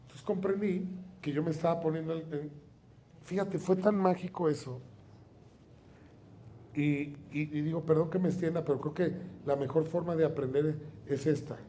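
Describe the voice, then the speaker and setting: A man in his thirties, a workshop speaker telling a personal story to his audience in an animated way, with casual swearing. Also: on the high side, moderate pace, long pauses, reverberant, a little hiss or hum. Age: 30s. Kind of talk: seminar storytelling.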